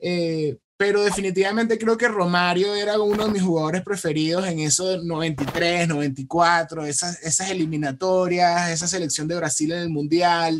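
Here a man with high pitch speaks at a fairly slow pace, with fairly even intonation and hardly any pauses. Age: 30s. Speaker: music label producer. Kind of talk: casual chat.

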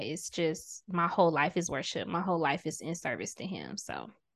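Against a quiet background, a woman with an American accent and a normal speaking voice talks at a fairly quick pace, with a fairly low pitch and ordinary pitch variation. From US South, Augusta, Georgia. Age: young. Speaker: podcast host. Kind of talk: faith testimony interview.

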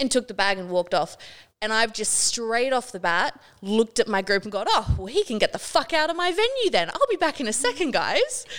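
The speaker talks at a fairly quick pace, with very wide swings in pitch. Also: woman, fairly high pitch for a woman. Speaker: podcast co-host. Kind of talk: casual chat.

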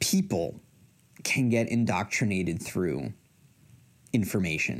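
Very slowly, a man talks with lively intonation. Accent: American. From Long Island, New York. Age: 40s. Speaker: podcast host. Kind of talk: solo commentary. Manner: halting, many repetitions and fillers.

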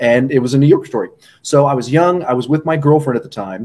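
Here a man with a fairly high pitch speaks at a fairly quick pace. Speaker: podcast host. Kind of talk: casual chat. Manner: jokey, animated.

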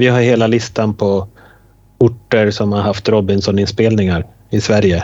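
A man at a moderate pace with a monotone, flat intonation, fairly low pitch, and very even loudness. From Sweden, Tornedalen (Norrbotten). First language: Finnish and Meänkieli (speaking Swedish). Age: 40s. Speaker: social media account founder. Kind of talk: casual interview.

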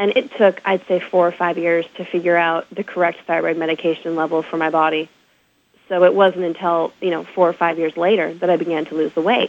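Her fairly low voice stays monotone and flat as the woman speaks at a fairly quick pace. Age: 20s. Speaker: singer. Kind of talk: radio interview. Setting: studio.

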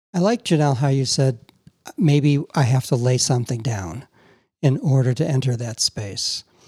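A man's dark, mellow, somewhat breathy tone at medium pitch, with ordinary pitch variation and a moderate pace. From Chicago. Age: 60s. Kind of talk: casual discussion.

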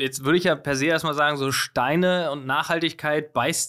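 A man uses a normal speaking voice, keeping to a moderate pace. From Berlin. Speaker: podcast host. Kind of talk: interview. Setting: video call.

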